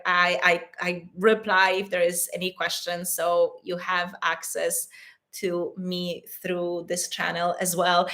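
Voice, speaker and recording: A woman from Poland with a Polish accent, hosting a live stream as an intimacy coach and answering chat questions warmly and with frequent laughter. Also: medium pitch. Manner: warm and affectionate, calls viewers "my loves", laughs often.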